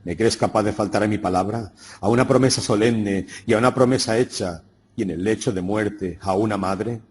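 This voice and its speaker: A man voicing a grown brother who reasons calmly, in a measured, earnest audiobook reading. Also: lowish voice, husky.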